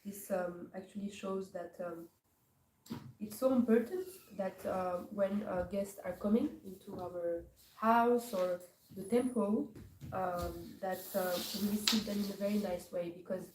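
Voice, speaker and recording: A woman teaches a scripture class in a mellow, soft-edged voice. She halts often and gropes for words. She sounds set back from the mic in a roomy, echoing hall with a faint hiss behind her. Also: medium pitch. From Morocco. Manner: hesitant, searching for words with many pauses. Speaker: class speaker. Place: temple hall. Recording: echoey hall from far off, faint noise.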